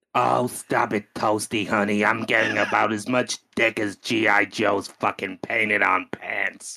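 A raspy, low-pitched put-on character voice at a fairly slow pace, with hardly any pauses.

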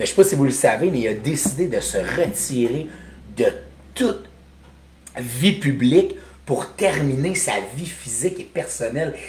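With lively intonation and an animated tone, the speaker talks at a fairly slow pace with long, frequent pauses, and room echo is audible. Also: man, fairly high pitch for a man. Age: 30s. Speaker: comedian and gym owner. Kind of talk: casual chat. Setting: video livestream.

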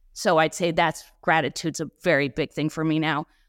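A woman with a very deep, low voice talks at a fairly slow pace in a dry, close sound with no echo and a very clean recording with a silent background. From Colombia. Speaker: near-death survivor. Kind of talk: interview testimony.

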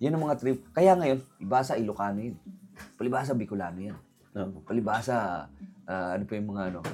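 This man has a fairly low pitch, a dark, mellow tone, and lively intonation. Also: fairly quick pace. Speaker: podcast host. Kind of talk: casual chat. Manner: casual.

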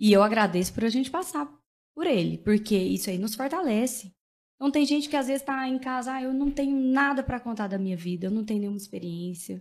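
At a very fast pace, a woman talks with lively intonation. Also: very clean recording, silent background. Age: 30s. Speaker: entrepreneur. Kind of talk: casual chat. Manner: animated.

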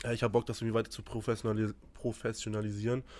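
The recording is very clean and the background silent while a man talks rather briskly. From northern Germany (Oldenburg). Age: young (19). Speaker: powerlifting coach. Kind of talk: casual chat.

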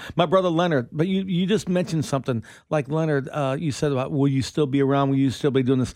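A very fast-talking man with an American accent, fairly high pitch and ordinary pitch variation, on a very clean recording with a silent background. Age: 60s. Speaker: restaurant owner and chef. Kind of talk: radio interview. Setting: studio. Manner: animated.

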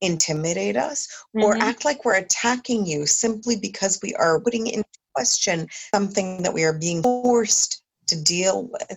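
Over music in the background, a woman with a Canadian accent talks at a moderate pace with lively intonation. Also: medium pitch for a woman. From New Brunswick, Canada. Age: 30s. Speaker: podcast co-host. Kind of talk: casual chat.

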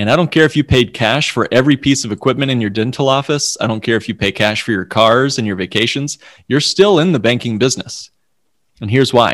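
A man with an American accent, very fast, medium in pitch with ordinary variation, on a very clean recording with a silent background. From US Midwest. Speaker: financial planner. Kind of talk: interview.

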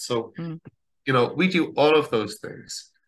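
This man speaks at a moderate pace with an Irish accent. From Ireland. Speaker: localization business consultant. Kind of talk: interview.

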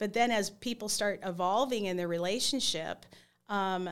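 On a very clean recording with a silent background, a woman with an American accent uses a normal speaking voice, medium pitch, fairly even intonation and a moderate pace. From US Upper Midwest (Minnesota/North Dakota). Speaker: gynecologist. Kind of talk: casual interview.

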